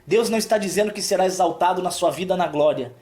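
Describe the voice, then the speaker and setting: Soft-spoken man preaching a calming devotional. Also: high voice, fast talker. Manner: soft and calming, hushing, then emphatic. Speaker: pastor. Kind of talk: devotional preaching on a live stream.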